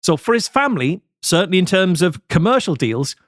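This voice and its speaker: A man's voice: sits high, very animated, brisk, dry recording. Wry man telling a story. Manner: dry, wry delivery of researched stories. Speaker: podcast co-host. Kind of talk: scripted storytelling in podcast chat.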